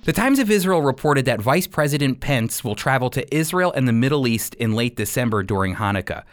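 A man's voice: mid-range voice, expressive, fairly quick, faint music behind. A man hosting a Christian radio program, speaking in an earnest, emphatic manner. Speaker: radio show host.

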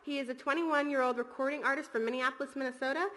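High, quick woman announcing in a hall. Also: steady tone. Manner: bright, upbeat announcing. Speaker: assembly announcer. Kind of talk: formal introduction. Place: school assembly hall. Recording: echoey hall with clear background noise.

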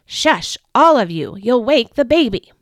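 A woman reading a storybook, voicing a bossy white-haired old woman who scolds loudly in a folksy drawl. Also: on the high side, very animated, unhurried, no echo, clean studio sound, voice pushed up. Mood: scolding.

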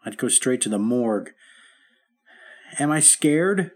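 Casting: a bedridden businessman, blunt and bitter, mid-pitched voice, vintage radio drama. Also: lively intonation, slow. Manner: bitter, self-pitying, blunt. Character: frightened businessman recovering from heart attack. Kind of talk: 1950s radio drama acting.

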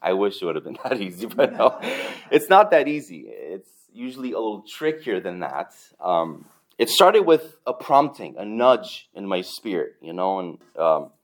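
A man in his forties with a Romanian accent, giving a relaxed, chatty church testimony full of fillers and soft chuckles. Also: fairly low pitch, moderate pace.

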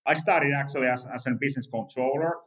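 A man in his fifties with a Finnish accent, a native Finnish speaker answering interview questions in English, halting and full of restarts and repeated "let's say" fillers. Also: medium pitch, steady tone, a bit bright, poor audio. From Finland. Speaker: guest founder.

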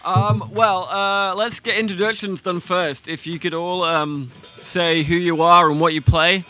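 A man interviewing a band, asking questions in a halting, self-correcting way and making dry jokes. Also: sits high, fairly even intonation, bright, forceful tone, poor audio. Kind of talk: interview hosting.

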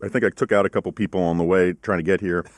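A middle-aged man hosting a podcast in casual studio chat, with a deep voice, a giggly laugh and lots of ums and uhs. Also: fairly even intonation, rapid-fire, no room sound. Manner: rambling, self-deprecating, many ums and uhs. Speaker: podcast host.

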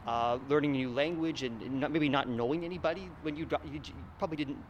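A male radio host asks his guest questions in a relaxed, encouraging way, backing her up with small murmurs and restarting his sentences as he goes. A faint layer of noise sits under his voice. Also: on the high side, quick pace, lo-fi sound. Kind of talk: casual interview.

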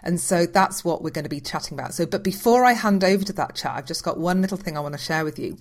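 A woman's voice: on the low side, quick pace. A woman hosting a podcast, chatty and enthusiastic as she introduces the episode and her guest. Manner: chatty, enthusiastic, repeats herself. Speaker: podcast host.

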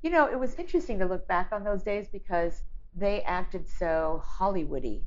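Older actress, low-ish voice, chatty storyteller, dull lo-fi sound. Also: female voice, lively intonation, normal speed. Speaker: actor and interview guest. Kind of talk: casual interview chat.

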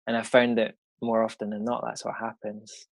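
A man with a Scottish accent, a card reader talking casually in an interview, relaxed and rambling with lots of fillers. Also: lowish voice, moderate pace, creaky, no echo, rough recording. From Scotland. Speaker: intuitive card reader, guest.

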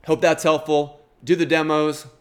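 A man's voice: a little high, level tone, moderate pace. Middle-aged male podcast host, Kansas twang, nasal tone, casual rambling and self-deprecating delivery.

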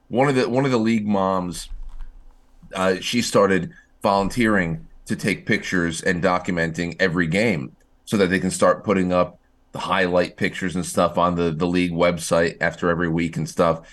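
A man's voice: low voice, steady tone, moderate pace, a bit bright. A man co-hosting a casual podcast chat, rambling with restarts and laughing as he talks. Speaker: podcast co-host.

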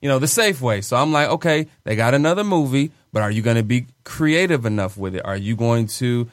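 A man co-hosting a podcast, talking in an animated, slangy way as a fan. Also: medium pitch, brisk, dry recording. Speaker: podcast co-host. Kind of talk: casual chat.

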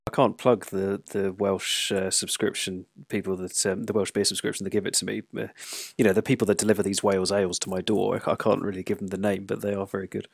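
A man with a lowish, creaky voice chats quickly as a podcast co-host. His delivery is informal and anecdotal, recorded dry and close. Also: little pitch movement, no room sound. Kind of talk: casual chat, anecdotal.

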